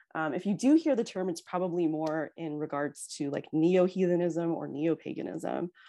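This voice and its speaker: Against a quiet background, a woman with a dark, mellow tone and fairly low pitch talks at a moderate pace with ordinary pitch variation. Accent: American. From US West Coast, northern California. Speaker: historian and author. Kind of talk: interview. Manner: hesitant, many fillers.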